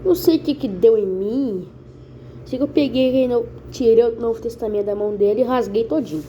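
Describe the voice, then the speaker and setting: A Brazilian woman with a fairly high, mellow voice tells her conversion testimony to a congregation. She speaks in an earnest, dramatic way, repeats herself and keeps calling out to her brothers and sisters. A faint hiss sits under her voice. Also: brisk. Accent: Brazilian Portuguese. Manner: earnest, repetitive, dramatic storytelling that addresses listeners as brothers. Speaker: church member giving testimony.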